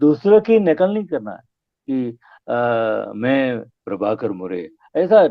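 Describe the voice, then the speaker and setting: A man is speaking. His pitch swings very widely. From India, Indore (Madhya Pradesh). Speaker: voice-over artist. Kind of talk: interview. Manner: halting.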